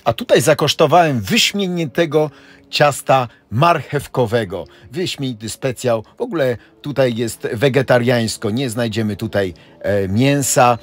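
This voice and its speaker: A middle-aged man with a husky voice, a tour guide narrating a voice-over and listing facts steadily. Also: mid-range voice, unhurried. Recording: voice-over with faint background music. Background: faint music.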